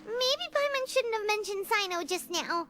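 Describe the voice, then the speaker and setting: Tiny squeaky fairy girl, very high. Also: expressive, normal speed. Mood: sheepish, regretful. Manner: squeaky, refers to self in third person. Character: small childlike female fairy companion, sheepish. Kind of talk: scripted video game voice acting. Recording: game dialogue over loud music.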